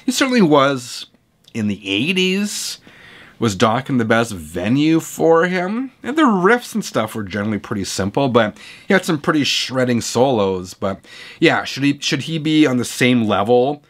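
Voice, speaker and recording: A man in his forties hosts his music channel, his voice hoarse from a week-long cold. He talks in a chatty, opinionated way, close to the camera in a home room full of vinyl shelves, with an ordinary mid-range pitch. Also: big pitch swings, moderate pace. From Canada. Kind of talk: casual reading of viewer comments. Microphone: camera close up at desk.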